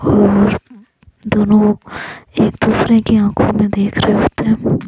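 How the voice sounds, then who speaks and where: A woman narrating a love story in a soft whisper, close to the mic. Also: medium pitch, monotone, slow pace, very noisy.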